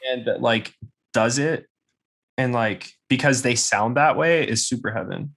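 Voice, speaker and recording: A man's voice: medium pitch, unhurried, creaky, fairly bright tone. A man co-hosting a podcast, rambling casually with lots of fillers. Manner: rambling, heavy use of "like".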